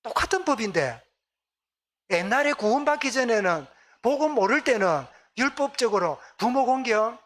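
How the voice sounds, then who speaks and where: A man's voice: very high voice, very animated, moderate pace, fairly bright tone. Gyeongsang pastor quizzing his congregation. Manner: asks the congregation questions and repeats answers. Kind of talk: sermon. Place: church sanctuary.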